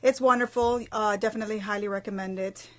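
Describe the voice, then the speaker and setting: A woman's voice: mid-range voice, steady tone, quick pace. A woman from Belize, an actress guest on a radio talk show, answering eagerly, listing details and often restarting her sentences.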